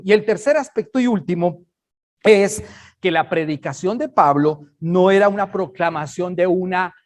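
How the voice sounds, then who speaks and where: A man preaching a Bible study, emphatic and conversational, often checking that listeners understand. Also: high voice.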